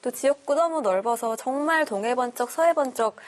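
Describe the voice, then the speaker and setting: A woman co-hosting a talk show, asking a guest clear and polite questions. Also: high-pitched, expressive, a little fast. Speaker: co-host.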